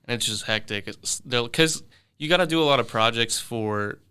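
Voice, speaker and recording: A man in his twenties, raised in London, answering interview questions in a relaxed, hesitant way with many fillers and restarts, in a studio. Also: medium pitch, moderate pace, smooth. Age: 20s. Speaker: guest musician.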